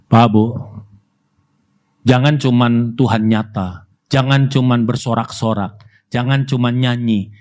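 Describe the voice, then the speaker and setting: A man pastor preaching a sermon in a lively, conversational way, calling out to his congregation. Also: medium pitch. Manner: lively, conversational preaching with audience call-outs.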